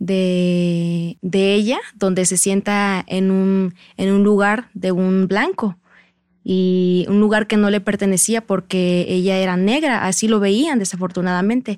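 In a Mexican accent, a woman with medium pitch speaks at a fairly slow pace with fairly even intonation and very even loudness, in a very clean recording with a silent background. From Mexico. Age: 20s. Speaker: student activist. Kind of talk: casual interview.

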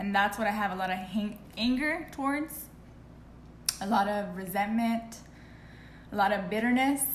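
Speaking at a medium pitch, a woman keeps a moderate pace. Audible room echo fills the recording. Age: 20s. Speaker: nursing student. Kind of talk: testimony.

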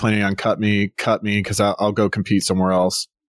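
A plain, everyday voice from a man, fairly low in pitch and at a moderate pace, with a dry, close sound and no echo. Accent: American. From US Midwest. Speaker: NFL long snapper. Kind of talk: casual chat. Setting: video call.

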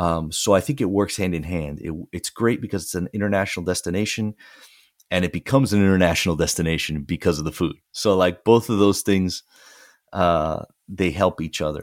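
A man with a very deep, low voice speaks at a fairly quick pace with ordinary pitch variation. The recording is very clean, with a silent background and a dry, close sound with no echo. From South Florida (Miramar, Cuban-American community). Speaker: journalist and radio host. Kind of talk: casual interview conversation.

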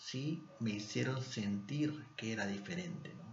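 Somewhat breathy and at a fairly slow pace, a man talks at medium pitch with lively intonation. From Peru, Callao (Ventanilla). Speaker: Afro-Peruvian activist. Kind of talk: personal testimony.

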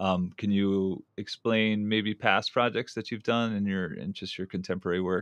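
In an ordinary speaking voice, a man with an American accent talks at a moderate pace with hardly any pauses, fairly low pitch, and fairly even intonation, in a dry, close sound with no echo against a quiet background. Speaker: podcast host. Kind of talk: casual interview.

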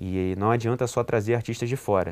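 A man with a plain, everyday voice speaks fairly quickly and at a fairly low pitch. His intonation is fairly even, and the recording is very clean with a silent background. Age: 30s. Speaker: mayoral candidate and physician. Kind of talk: political interview.

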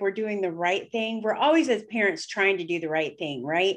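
A woman with an American accent speaks at a fairly quick pace with lively intonation, in an ordinary speaking voice. The background is quiet. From Ohio, US Midwest. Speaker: grief support group leader. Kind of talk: casual interview.

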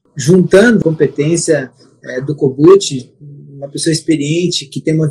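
A man speaks at a fairly slow pace with a fairly high pitch. It is an ordinary speaking voice with ordinary pitch variation. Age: 40s. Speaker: dental lab technician and trainer. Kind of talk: casual chat.

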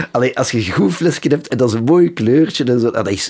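A man's medium-pitched, dark and mellow voice, fairly quick in pace and lively in intonation. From Brussels, Belgium (Anderlecht). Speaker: session bassist and producer. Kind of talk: casual interview. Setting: studio.

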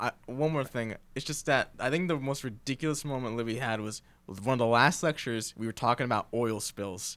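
A man at medium pitch with a plain, everyday voice, ordinary pitch variation, a fairly quick pace and hardly any pauses. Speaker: podcast co-host. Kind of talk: casual chat.

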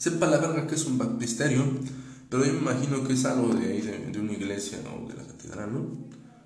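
In a Mexican accent, a man talks at a fairly quick pace and medium pitch, with audible room echo around him. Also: ordinary pitch variation. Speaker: podcaster. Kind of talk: casual monologue.

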